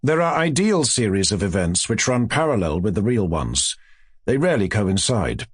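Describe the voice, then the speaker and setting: Animated male audiobook narrator, dry studio sound. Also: fairly low pitch, normal speed, breathy edge, no room sound. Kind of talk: scripted narration of classic literary fiction.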